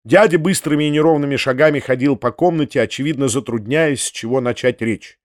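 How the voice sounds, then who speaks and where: Brief: male audiobook narrator, steady literary reading, dry studio sound. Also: mid-range voice, fairly quick, no room sound.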